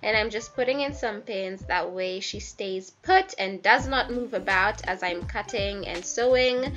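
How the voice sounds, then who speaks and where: Raspy young woman with the flu. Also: mid-range voice, unhurried. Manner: chatty and playful, talks to viewers directly. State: sick with flu, hoarse. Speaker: DIY fashion YouTuber. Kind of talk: voice-over sewing tutorial. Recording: slightly dull audio with soft background music.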